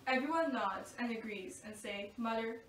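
An actress reading a daughter's part and stage directions from a script, off camera. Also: female voice, fairly high pitch, moderate pace, a bit bright, natural voice. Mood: matter-of-fact. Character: young-adult daughter introducing boyfriend, plus stage directions. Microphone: off camera, away from mic. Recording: echoey room, distant mic, faint noise.

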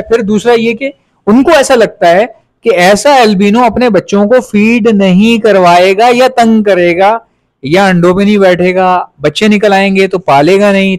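High-voiced Pakistani man chatting about breeding. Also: no room sound. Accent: Pakistani Urdu. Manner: chatty, repeats points for emphasis. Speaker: pet breeder vlogger. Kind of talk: casual explanatory vlog.

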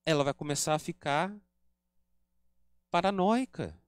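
A man's voice: fairly high pitch, measured pace, smooth, dry recording, clean studio sound. A man with a Brazilian Portuguese accent giving an earnest spiritist lecture at a spiritist center, teaching and acting out quoted remarks. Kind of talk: religious lecture.

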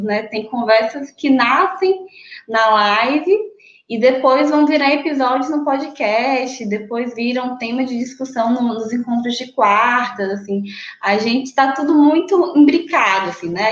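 Young woman on an echoey video call. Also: fairly high pitch. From Brazil. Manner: thoughtful, many fillers and restarts. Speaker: panelist, graduate researcher. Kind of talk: academic panel talk, casual. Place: small room at home, indoors. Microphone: laptop webcam on video call. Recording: echoey room, dull lo-fi video call audio.

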